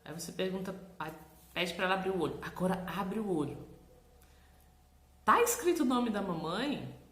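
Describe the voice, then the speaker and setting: In an echoey room, a woman with a Brazilian Portuguese accent speaks a little fast at medium pitch, offering parents lively, encouraging guidance as a literacy teacher. She keeps checking in with "tá bom?".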